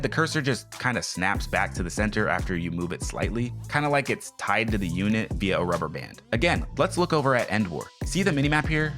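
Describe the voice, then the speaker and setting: A man narrating a scripted video game review as a scathing, sarcastic critique, blunt and full of swearing. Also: lowish voice. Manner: blunt, profane.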